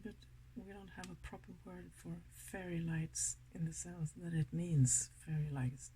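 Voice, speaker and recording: A woman from Sweden with a Swedish accent, chatting softly and giggling through a makeup tutorial, sometimes dropping to a whisper. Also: fairly low pitch, unhurried, a little hiss or hum, low-quality recording. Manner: soft-spoken, giggly, often drops to a whisper. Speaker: makeup vlogger. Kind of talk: casual makeup tutorial chat.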